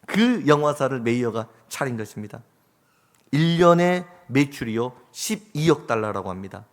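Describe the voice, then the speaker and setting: A male pastor preaching a sermon, dramatic and swinging from hushed to loud. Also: medium pitch, animated, moderate pace. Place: church sanctuary. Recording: long church hall reverb.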